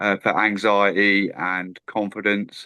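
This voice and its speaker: Speaking with an East Anglian accent, a man has a bright, sharp tone and a fairly low pitch, with a dry, close sound with no echo and a quiet background. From eastern England, Suffolk. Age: 30s. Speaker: trainee hypnotist. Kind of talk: casual interview, personal story. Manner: hesitant, many fillers.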